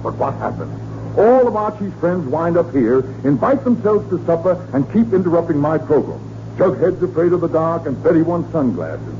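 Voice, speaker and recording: A man's voice: a little high, very animated, moderate pace. An actor playing a blustering, exasperated middle-aged American father in a 1940s radio comedy. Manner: blustering, emphatic. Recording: muffled, noisy 1940s radio recording.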